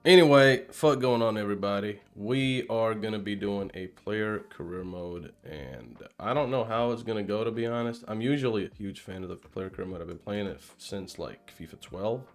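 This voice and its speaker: A young man with a fairly low voice gives relaxed gameplay commentary for his channel. He was raised in Denmark after coming from Palestine. His talk rambles, full of fillers and restarted sentences. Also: moderate pace, hardly any pauses. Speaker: gaming YouTuber.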